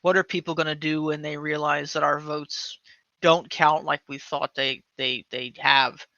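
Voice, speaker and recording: A man hosts a casual stream in a sharp, forceful voice that sits a little high. He stalls and repeats words as he goes. The sound is dry and slightly dull. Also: little pitch movement, no echo. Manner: halting, repeats words while searching for them. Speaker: guest host. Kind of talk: casual livestream talk.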